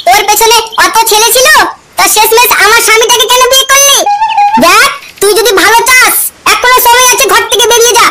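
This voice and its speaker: High, fast, brash woman with a Bengali accent. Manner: brash, scolding, cursing. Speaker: cartoon voice performer. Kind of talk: comedic cartoon dubbing. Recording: loud constant background noise.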